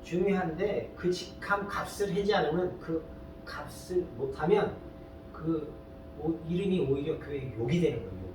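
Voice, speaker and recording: A man's voice: expressive, moderate pace. A man preaching a sermon as pastor, in a plain conversational way, firing rhetorical questions and prodding the congregation. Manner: fires rhetorical questions and prods listeners with "eh?"; colloquial, storytelling preacher. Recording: very echoey hall, distant mic, faint rumble.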